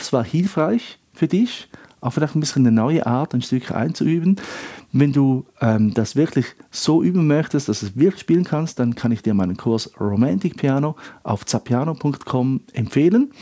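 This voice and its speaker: Mellow-voiced man teaching piano. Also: mid-range voice. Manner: relaxed, counts rhythms aloud. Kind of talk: casual piano tutorial.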